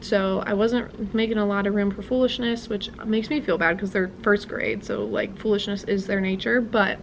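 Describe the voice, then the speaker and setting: A woman's voice: mid-range voice, fairly even intonation, normal speed, vocal fry, slight background noise. A young woman, a music teacher, chatting casually and rambling with laughs as she vlogs from her car. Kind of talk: casual vlog chat.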